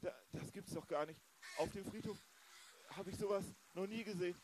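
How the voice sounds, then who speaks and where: A man playing a high-pitched, flustered old man. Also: brisk, background noise, close to an everyday voice. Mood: agitated, horrified. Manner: stammering, agitated, repeating himself. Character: flustered, shaken elderly male cemetery visitor. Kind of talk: improvised amateur radio play acting.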